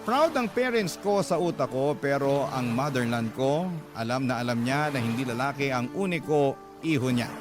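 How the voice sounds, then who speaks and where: A man's voice: medium pitch, close to an everyday voice. A man voicing a vain, witty older gay man telling his life story in campy slang as a radio letter drama. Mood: proud, campy.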